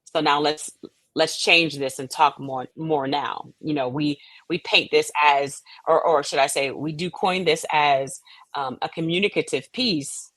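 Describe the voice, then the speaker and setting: A middle-aged American playwright and stage director answers interview questions as a guest, reflective and explanatory, often asking "you know what I mean." Her low voice is steady, fairly bright and measured, with no echo.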